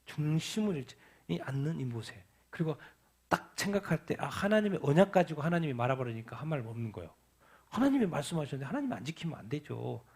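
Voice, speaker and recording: Gravelly-voiced male pastor preaching. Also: fairly high pitch, sing-song. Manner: emphatic, asks the congregation questions and answers them himself; reads scripture aloud slowly before preaching. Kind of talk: midweek Bible study sermon.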